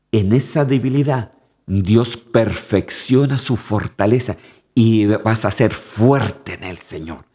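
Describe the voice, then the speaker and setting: A male pastor with a mid-range, slightly mellow voice preaches a sermon in church, emphatic and direct. He frequently addresses the congregation as "hermano", meaning "brother". Long church reverb fills the recording.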